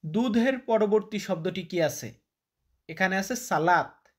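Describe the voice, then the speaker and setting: A man's voice: high voice, expressive, unhurried. A man teaching vocabulary, repeating each word and quizzing the listener. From Bangladesh. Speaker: language teacher. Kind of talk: vocabulary lesson.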